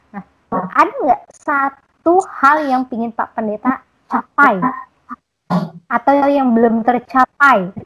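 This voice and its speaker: A woman's voice: a little high, muffled recording. A woman interviewing a pastor in a casual, chatty way, prompting him with questions and fillers.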